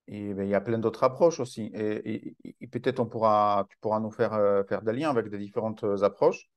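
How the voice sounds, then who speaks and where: Halting male interviewer, non-native French. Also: mid-range voice, a little mellow. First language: not French. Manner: halting, repeats words. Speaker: host, interviewer. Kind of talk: interview questions.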